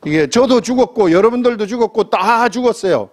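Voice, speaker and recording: A man's voice: high-pitched, animated, brisk. A man preaching a sermon as a church pastor, putting questions to the congregation and acting out pleading prayers.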